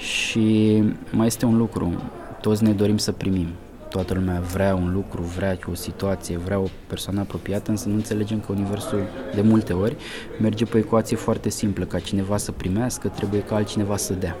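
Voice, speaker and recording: Over noticeable background noise, a man speaks at a moderate pace. His fairly low voice has monotone, flat intonation. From Romania, Argeș county. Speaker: network marketing entrepreneur. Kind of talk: interview.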